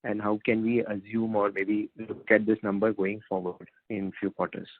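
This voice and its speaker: A man with an Indian accent putting questions as an analyst on an earnings call, halting and repeating himself. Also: lowish voice, flat delivery, no room sound. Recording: narrowband phone line.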